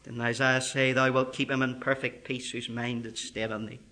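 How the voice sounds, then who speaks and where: A man preaching a sermon, building to loud emphatic peaks and then dropping to a soft, quiet voice. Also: mid-range voice, little pitch movement, moderate pace.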